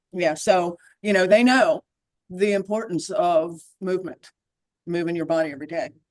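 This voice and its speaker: Her pitch fairly low, a woman talks in a normal speaking voice. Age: 60s. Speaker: fitness instructor. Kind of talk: casual chat.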